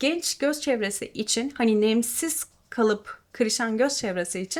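A woman with lively intonation is heard in a very clean recording with a silent background. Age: 30s. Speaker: beauty and skincare YouTuber. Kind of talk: product review.

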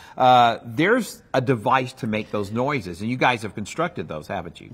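A man with lively intonation and big swings in loudness. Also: moderate pace. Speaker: TV morning news field reporter. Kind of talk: live TV field report. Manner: excited, enthusiastic. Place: stage. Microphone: lapel.

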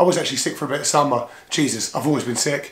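A man with a fairly high pitch and ordinary pitch variation at a very fast pace, with audible room echo and noticeable background noise. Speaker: cycling vlogger. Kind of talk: casual vlog. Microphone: no microphone used, camera audio.

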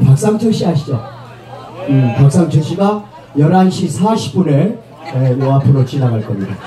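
A man's voice with lively intonation, audible room echo and music in the background. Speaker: MC. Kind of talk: comic stage banter with audience. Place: stage. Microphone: pa.

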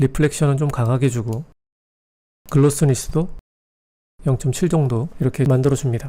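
Somewhat breathy and dark, mellow in tone, a man's fairly high voice moves at a moderate pace with fairly even intonation and long, frequent pauses. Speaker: 3D modeling instructor. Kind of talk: tutorial.

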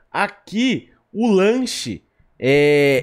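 The background is quiet as a man talks. His intonation is lively. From São Paulo state interior (Presidente Prudente area). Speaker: streamer reacting to videos. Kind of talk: casual live-stream reaction commentary. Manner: animated. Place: home room. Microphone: studio mic.

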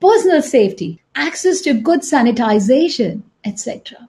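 A dark, mellow tone with very wide pitch swings. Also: woman. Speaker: panel moderator, leadership coach. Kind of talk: moderated panel discussion. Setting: video call. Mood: warm, smiling. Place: home room. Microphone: video call.

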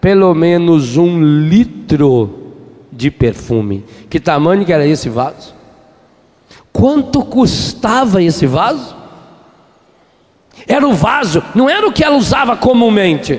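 The voice moves at a very slow pace, with long, frequent pauses. Its pitch swings very widely. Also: man. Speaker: priest preaching. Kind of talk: sermon. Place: church. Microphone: handheld.

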